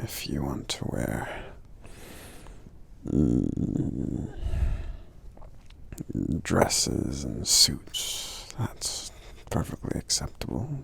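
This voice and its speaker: Gentle giant for ASMR roleplay, played by a man: extremely slow, husky half-whisper, courteous and hesitant. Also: a bass voice, dry recording, full character voice. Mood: accommodating, gentle. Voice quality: breathy, gravelly, half-whispered. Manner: hesitant, courteous, unhurried, pausing with hums. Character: gentle, polite, protective friendly male giant. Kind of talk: soft-spoken ASMR roleplay.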